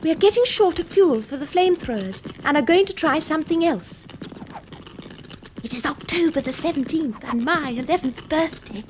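Very high-voiced British young girl. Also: animated, normal speed. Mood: prim, proud. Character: earnest eleven-year-old girl, precise and plucky. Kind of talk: 1960s British radio drama acting. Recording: noisy vintage radio drama recording.

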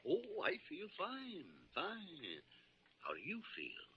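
An actor playing a crusty, teasing older hospital doctor with a gravelly, drawling, grumbling voice in vintage radio drama style. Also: male voice, sits high, wildly swooping pitch, slow, heavy background noise, heavily acted. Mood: sly, teasing. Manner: drawling, grumbling, repeats himself. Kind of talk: 1940s-50s radio drama acting. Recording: muffled vintage radio recording.

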